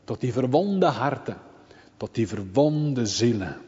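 A man preaching a sermon in a church, swinging between loud, drawn-out calls and quiet, confiding asides. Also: mid-range voice, very animated. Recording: dull lo-fi recording with long church reverb.

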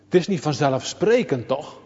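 A man preaching a sermon in a church, swinging between loud, drawn-out calls and quiet, confiding asides. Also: on the high side, animated. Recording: dull lo-fi recording with long church reverb.

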